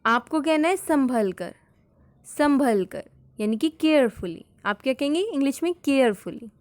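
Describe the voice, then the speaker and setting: A woman teaching English phrases, repeating each phrase slowly and explaining step by step. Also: high voice, animated, dry recording. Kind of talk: spoken English lesson.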